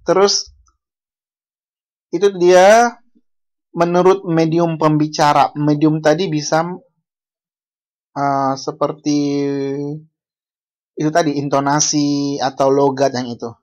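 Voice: mid-range voice, level tone, a little mellow. A university lecturer from Bali gives an online language lecture over a video call. They ask the class questions and correct themselves as they go. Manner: unhurried, asks the class questions, self-correcting.

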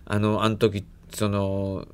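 A man's voice: lowish voice, monotone, takes it slowly, darkish tone, smooth. A man with a Kansai accent reacting and chatting casually as a radio panelist. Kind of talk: casual studio chat. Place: radio studio.

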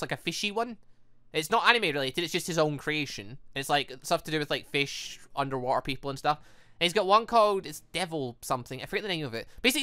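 A gaming video host giving casual, chatty, rambling playthrough commentary in an animated way. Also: medium pitch. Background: background music.

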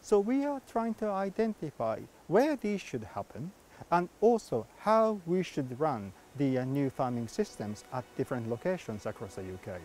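A man's voice: fairly high pitch, sing-song, normal speed, a little mellow. A man, a research scientist, explaining his work outdoors in a field in a hesitant way with many fillers. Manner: hesitant, many fillers, non-native phrasing. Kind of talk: on-camera interview. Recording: faint music underneath.

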